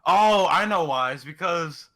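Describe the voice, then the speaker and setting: A man's voice: fairly high pitch, expressive, unhurried, pushed and bright. A man chatting casually as co-host of a video game show, swearing freely as he goes. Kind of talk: casual chat.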